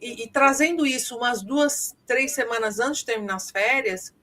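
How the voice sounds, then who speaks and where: A woman's voice: on the high side, moderate pace, a bit bright. A woman co-hosting a podcast in casual chat, explaining her points step by step in a thoughtful way.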